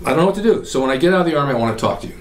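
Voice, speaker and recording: A man's voice: on the high side, animated. An older man from California hosting his own podcast, telling rambling stories in casual chat. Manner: rambling storyteller, quick and chatty. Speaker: podcast host. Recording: roomy echo, mic at a distance.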